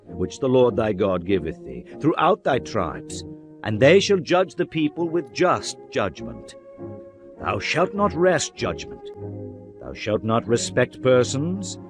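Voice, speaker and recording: A man giving a dramatized Bible reading, in a solemn, measured recitation of archaic scripture. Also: medium pitch. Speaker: scripture narrator. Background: background music.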